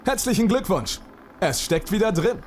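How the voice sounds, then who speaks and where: Guy doing absurd cartoon man, highish, abrupt and exaggerated, music behind. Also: expressive, moderate pace. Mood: deadpan. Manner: exaggerated, abrupt comic delivery. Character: absurd deadpan-to-hysterical cartoon men: fathers, doctors, bosses. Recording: clear music bed behind.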